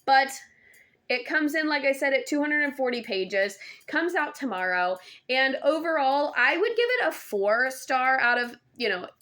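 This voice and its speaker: A woman's voice: high voice, lively intonation, normal speed, fairly bright tone. A young adult woman giving a casual book review vlog, chatty, with many ums and restarts.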